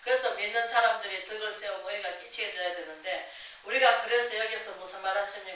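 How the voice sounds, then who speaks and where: A woman's voice: mid-range voice, pushed and bright. A woman pastor preaching a sermon in a chatty style, asking rhetorical questions and acting out quoted voices. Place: church sanctuary. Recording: echoey church hall, voice from far off.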